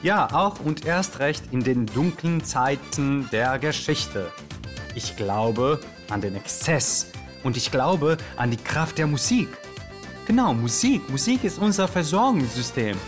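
A man's voice: medium pitch, lively intonation, unhurried, lightly acted. Exuberant male radio host over music, acted. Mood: euphoric. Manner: theatrical, rambling, exuberant, switching from hushed to shouting. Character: euphoric, excitable Yugoslav male radio show host. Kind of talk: live radio show moderation. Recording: music behind the voice.

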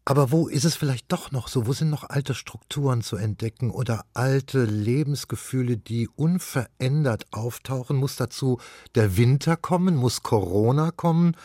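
A man hosting a radio interview, introducing his guest and asking questions in a measured, articulate way. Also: mid-range voice, animated, dark tone, no room sound, studio quality. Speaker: radio host.

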